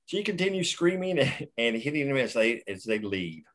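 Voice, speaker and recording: A man's voice: medium pitch, moderate pace. Man reading stage directions plainly. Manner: plain, even reading of action lines. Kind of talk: screenplay table read.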